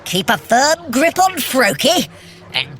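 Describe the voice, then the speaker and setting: A woman's voice: high-pitched, very animated, slow pace, a bit bright, heavily acted. A woman playing a scheming trickster god in an audio drama, grandiose and self-satisfied, talking straight to the listener. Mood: urgent, confident.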